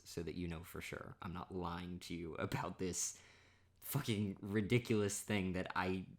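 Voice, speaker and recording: A man speaks in a hushed, intimate boyfriend-roleplay monologue. He is playful and self-mocking, teasing and laughing at his own story in a soft voice. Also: sits low, gravelly.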